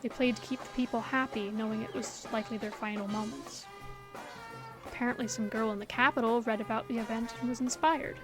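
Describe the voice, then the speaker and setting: A woman acting a gentle, hopeful best friend in an audio roleplay, talking to the listener in an earnest, reassuring, conversational way. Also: on the high side, fairly even intonation, fairly quick, music in the background, natural voice, poor audio. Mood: excited, hopeful. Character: gentle, hopeful female best friend comforting her secret crush. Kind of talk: scripted audio roleplay, intimate one-sided dialogue to the listener.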